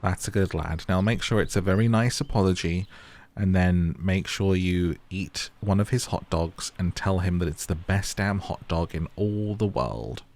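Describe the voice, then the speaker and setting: A man hosting a gameplay video in a playful, teasing way. His voice sits low and he talks casually to the characters. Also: moderate pace, darkish tone. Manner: playful, teasing, laughs often. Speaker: gaming host.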